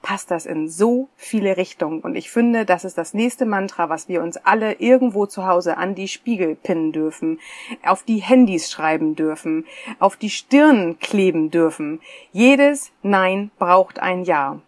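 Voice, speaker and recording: A woman co-hosting a podcast as a parenting counselor, lively and laughing often. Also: fairly low pitch, a little slow, no echo. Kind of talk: casual podcast chat. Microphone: remote call.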